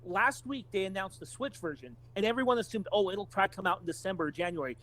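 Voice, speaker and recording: A man's voice: high-pitched, quick pace, a bit bright, poor audio. A man co-hosting a casual gaming podcast, speaking in an eager, conversational way with emphatic turns of phrase. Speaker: podcast co-host.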